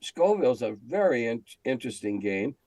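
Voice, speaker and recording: A man's voice: mid-range voice, sing-song, moderate pace, a little mellow, dry recording. An older man reminiscing casually in an interview, speaking emphatically and repeating phrases to make his point. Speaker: game designer and magazine editor guest.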